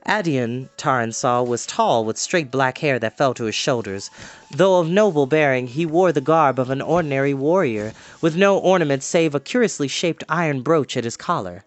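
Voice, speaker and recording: A man reading a story aloud as storyteller, in an expressive narrating style. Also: mid-range voice, normal speed, dry recording.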